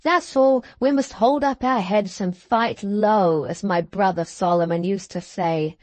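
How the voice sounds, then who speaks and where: A woman voicing a brisk, blunt, loyal middle-aged Englishwoman servant in a storybook, emphatic and forthright. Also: mid-range voice, a little mellow, dry recording, lightly acted. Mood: briskly stoic.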